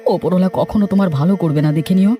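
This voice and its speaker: A man's voice: high-pitched, quick pace, mellow, close to an everyday voice. A man voicing a poor, trusting village farmer in a cartoon, meek and plaintive. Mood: hurt, lamenting. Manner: plaintive, pleading. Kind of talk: dramatic cartoon voice acting.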